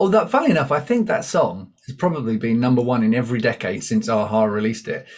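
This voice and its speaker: A man speaks at a very fast pace with fairly high pitch. His voice is somewhat breathy and swings very widely in pitch. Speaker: singer. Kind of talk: interview answer. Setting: remote video call from small studio.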